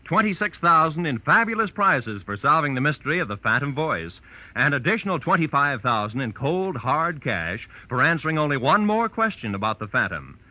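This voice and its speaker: An American male announcer from 1940s radio with a fairly high, extremely forceful voice. His delivery is lively, polished and promotional, in the manner of a network broadcast. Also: normal speed, no echo, low-quality recording.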